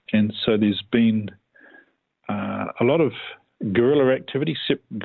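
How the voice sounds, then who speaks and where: Here a man with a New Zealand accent talks at a moderate pace and medium pitch, his pitch varying in an ordinary way. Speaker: co-host. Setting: phone call.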